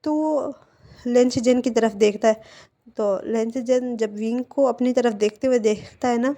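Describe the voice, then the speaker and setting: A woman casually narrating a fan-fiction story, linking scenes with relaxed fillers. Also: a little high, measured pace. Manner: casual, retelling with connecting fillers.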